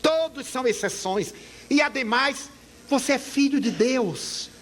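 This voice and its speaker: A man voicing a gentle, motherly female spirit guide who speaks softly and reassuringly. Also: very high-pitched, lively intonation, a little slow, slight background noise, voice pushed up, exaggerated voice. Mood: encouraging. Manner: soft, tender, reassuring.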